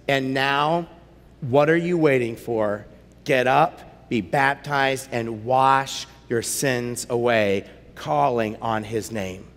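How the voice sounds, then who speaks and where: A middle-aged man preaching a sermon on a church stage, earnest and urgent, often repeating his words. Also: mid-range voice. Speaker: pastor. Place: large church stage with a band. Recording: long hall reverb with soft guitar.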